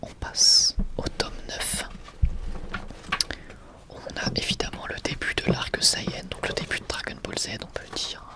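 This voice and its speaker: An ASMR creator speaking casually in a breathy whisper, rambling and correcting themselves like a fan sharing a collection. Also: a little slow. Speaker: ASMR video creator presenting a manga collection.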